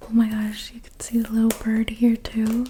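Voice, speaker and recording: Soft-spoken delivery comes through over noticeable background noise. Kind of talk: ASMR soft-spoken show and tell.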